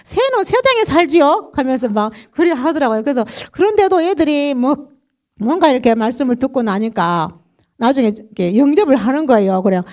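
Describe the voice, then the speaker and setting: A middle-aged woman with a Gyeongsang dialect tells her story to a church congregation, and her voice sits a little higher than most. She talks in a chatty, laughing way and slips into other people's voices as she goes. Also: animated, fairly quick, darkish tone. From Daegu region, South Korea. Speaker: church member giving testimony. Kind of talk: personal testimony to a congregation.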